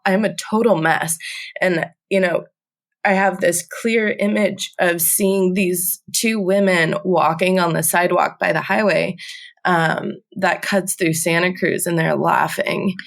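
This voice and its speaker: A young woman in her twenties speaks low and gravelly as a podcast guest. She tells a personal story in an easy, conversational way. She often fills pauses with "like" and "um". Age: 20s.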